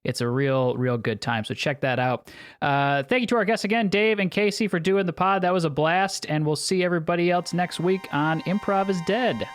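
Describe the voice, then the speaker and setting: A man hosting a podcast, easygoing, wrapping up with plugs and thanks. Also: high voice. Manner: easygoing, plugs things briskly. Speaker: podcast host. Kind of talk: casual chat.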